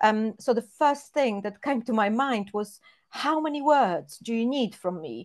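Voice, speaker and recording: A woman with a Polish accent speaks at a fairly high pitch with lively intonation. She goes at a fairly slow pace against a quiet background. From Poland. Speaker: gardening author and video creator. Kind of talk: interview. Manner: hesitant, many fillers.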